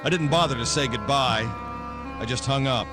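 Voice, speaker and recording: A man's voice: medium pitch, normal speed, loud music behind the voice, lightly acted. Casting: man playing world-weary private eye, tough noir radio narration, prominent musical underscore. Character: weary, hard-boiled male private detective in radio noir. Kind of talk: 1940s radio acting, first-person noir narration.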